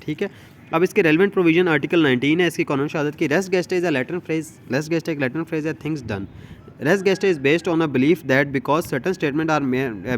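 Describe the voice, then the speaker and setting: A man with a Pakistani accent teaches in a slightly high voice. He explains step by step like a lecturer, repeating himself and checking in often. There is faint ambient noise behind him. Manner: repetitive, explains with everyday examples and frequent check-ins. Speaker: law lecturer. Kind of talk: explanatory lecture, reading out English text and explaining it informally.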